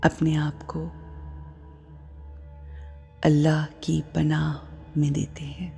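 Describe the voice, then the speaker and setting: A woman with a low, creaky voice leads a guided meditation over music. She speaks extremely slowly and calmly in short phrases, leaving long pauses and letting the endings turn soft and breathy. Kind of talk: slow spoken guided meditation with spiritual reflections.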